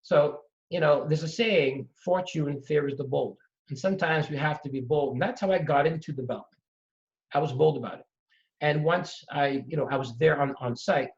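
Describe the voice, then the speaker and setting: A middle-aged man from Trinidad and Tobago tells his story with lively emphasis. His voice sits a little high for a man. The audio is dull and lo-fi, as if the top end is gone. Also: moderate pace, vocal fry. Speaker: real estate investor guest. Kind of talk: storytelling in conversation.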